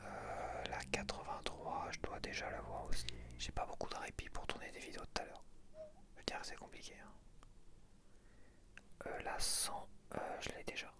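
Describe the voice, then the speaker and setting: A man whispering softly into a close mic for ASMR, murmuring sticker numbers and rambling along. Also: very deep voice, flat delivery, normal speed, creaky. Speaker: ASMR creator.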